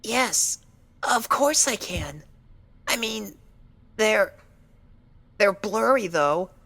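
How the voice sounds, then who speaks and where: A woman's voice: medium pitch, animated, drawn-out words, fairly bright tone, no room sound, heavily acted. A woman voicing a timid, injured young female pony in a dramatized story reading, hesitant and meek, with anxious pleading. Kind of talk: dramatized fan fiction reading.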